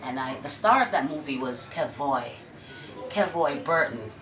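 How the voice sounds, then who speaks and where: A Jamaican restaurant owner with a very deep, expressive voice tells her story casually as an interview guest, speaking at a measured pace. The room is echoey with loud-ish background noise, and faint music sits behind her.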